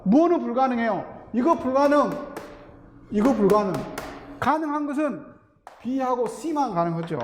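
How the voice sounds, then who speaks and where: An English linguistics instructor with an extremely high-pitched, darkish voice teaches linguistics in an exam-prep lecture for a teaching exam. He proceeds step by step, asks rhetorical questions and uses technical terms. There is a long hall reverb on the recording.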